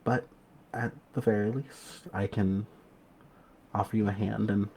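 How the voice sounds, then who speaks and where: A man's voice: fairly low pitch, level tone, a little slow, vocal fry, a little mellow, slightly rough, full character voice, poor audio. A man voicing a kindly young woman who guides the departed in a tabletop game, speaking hesitantly and reassuringly. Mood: gentle, reassuring.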